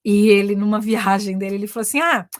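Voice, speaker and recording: A woman's voice: mid-range voice, monotone, fast, darkish tone, no echo. A Brazilian woman, native in Portuguese, teaches English in a live online class with a mid-range voice. She switches back and forth between Portuguese and English and keeps adding chatty asides. The sound is dry and close to the mic.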